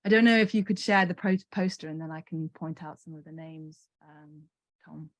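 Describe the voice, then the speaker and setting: A young woman from Cumbria with a distinctly low voice and a very dry sound. She presents informally and a little hesitantly on a group video call. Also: moderate pace, no echo. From Cumbria, England. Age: young adult. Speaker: arts project representative.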